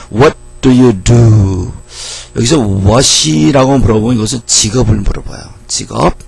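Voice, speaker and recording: A middle-aged man teaching English phrases in a lecture, explaining patiently and reading example sentences slowly. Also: lowish voice, vocal fry, darkish tone, husky.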